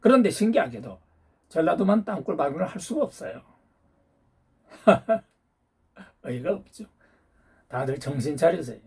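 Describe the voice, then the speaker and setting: A man's voice: fairly high pitch, sing-song, moderate pace, creaky, long pauses, darkish tone, husky. A man delivering a ranting political monologue, lecturing his listeners and firing off challenging rhetorical questions. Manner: lecturing, hectoring tone toward listeners. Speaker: YouTube channel host.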